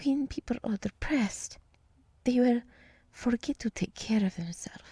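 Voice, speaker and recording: A woman voicing a gentle, nurturing deer woman in an ASMR roleplay, speaking softly in half-whispers with soothing, reassuring pauses. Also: fairly high pitch, husky, dry recording. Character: gentle, nurturing deer woman, encouraging forest monster girl.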